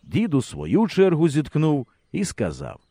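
Lively, mellow-voiced male audiobook narrator. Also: fairly high pitch, unhurried, breathy edge, dry recording. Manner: lively storyteller's delivery. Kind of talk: expressive audiobook reading.

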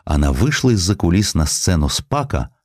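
A man narrates a historical tale in an expressive, theatrical storytelling manner. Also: deep voice, a little fast, dry recording, clean studio sound. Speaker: audiobook narrator. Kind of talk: dramatic scripted narration of historical sketches.

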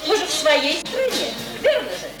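Brief: prim, insistent woman, high-pitched, radio drama with loud music behind. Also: wildly swooping pitch, moderate pace, echoey room, poor audio. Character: prim, opinionated woman at a banquet. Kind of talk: Soviet radio play acting.

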